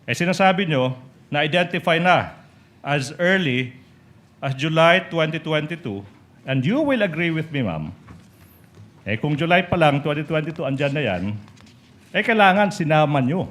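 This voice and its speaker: A man's voice: fairly high pitch, expressive, normal speed, pauses often, fairly bright tone. A man with a Filipino accent questioning a witness insistently as a lawyer in a formal courtroom, switching between Tagalog and English. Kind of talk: formal courtroom cross-examination. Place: in a courtroom hearing, on a microphone.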